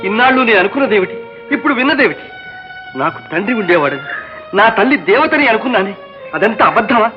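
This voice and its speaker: An anguished, furious young son. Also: male voice, sits high, very animated, quick pace. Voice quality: anguished, shouting. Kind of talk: dubbed film melodrama. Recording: dull old film soundtrack with music.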